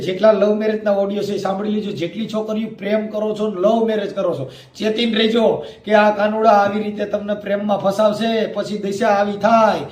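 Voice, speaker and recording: A man's voice: high voice, darkish tone. A man with a Saurashtra Gujarati accent giving colloquial, preachy commentary, warning his listeners like a community adviser. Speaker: community advice host. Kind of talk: admonishing spoken commentary. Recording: roomy, echoing sound.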